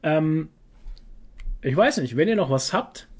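A man's voice: a little high, expressive, measured pace, darkish tone, breathy edge. A young man hosting a podcast in a loose, casual, chatty way. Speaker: podcast host. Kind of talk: casual chat.

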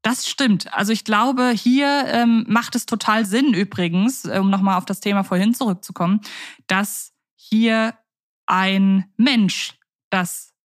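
A woman's voice: medium pitch, a little slow. A woman co-hosting a podcast, chatting playfully in long winding sentences. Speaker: podcast co-host. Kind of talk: casual podcast chat.

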